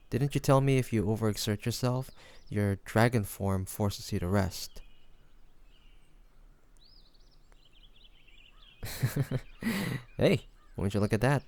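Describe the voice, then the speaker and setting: Male actor as devoted young fantasy hero, mid-pitched, unhurried, tender, halting, emotive, intimate audio roleplay. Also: close to an everyday voice. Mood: relieved, teasing. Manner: gentle, halting, emotive, with sighs and pauses. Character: devoted young man, tender best friend of a dragon shifter.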